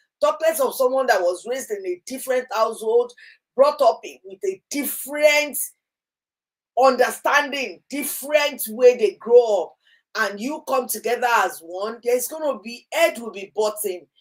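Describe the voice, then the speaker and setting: A woman's high voice in a Nigerian accent, with lively intonation, big swings in loudness and a moderate pace. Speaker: celebrity gossip vlogger. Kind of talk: casual chat.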